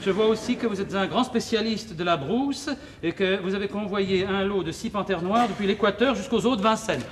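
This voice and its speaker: A man's voice: high voice, brisk, lightly acted. An actor playing a flustered lovesick man. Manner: stammering, fussy, talks to himself. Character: flustered, excitable lovesick man fussing over a date. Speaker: lead actor in a televised stage play. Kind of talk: 1980s French boulevard stage comedy acting. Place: theatre stage. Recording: hissy old television broadcast recording.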